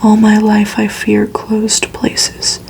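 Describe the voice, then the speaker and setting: A woman softly reading fiction aloud for ASMR in a breathy, unhurried whisper. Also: mid-range voice, completely flat delivery, a little hiss or hum. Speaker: ASMR reader.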